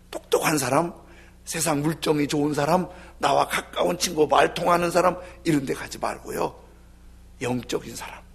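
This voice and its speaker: A male pastor preaching a sermon with animated delivery that drops into soft, half-whispered asides. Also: on the high side, vocal fry, slightly rough.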